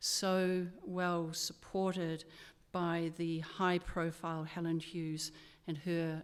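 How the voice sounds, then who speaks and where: On a very clean recording with a silent background, a woman with a New Zealand accent speaks at a fairly low pitch in a monotone, flat intonation. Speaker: university leader. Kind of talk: ceremonial speech. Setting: hall with audience. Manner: formal.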